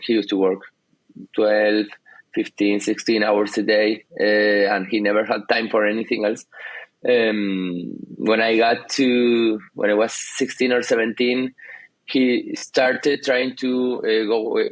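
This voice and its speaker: A man in his thirties from Argentina, speaking English with an Argentine Spanish accent, telling his story as a guest in a casual interview, pausing often with fillers and restarts. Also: fairly low pitch, dry recording, rough recording. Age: 30s. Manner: hesitant, many fillers and restarts. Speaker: guest entrepreneur.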